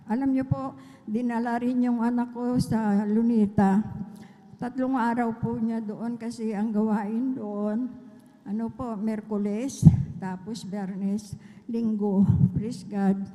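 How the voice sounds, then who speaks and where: A woman's voice: a little high, steady tone, slow, dark tone. A middle-aged woman from the Philippines giving an earnest personal testimony at a church service, retelling conversations and breaking in with praise. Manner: earnest storytelling with many quoted exchanges and praise interjections. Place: church worship hall. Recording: long hall reverb.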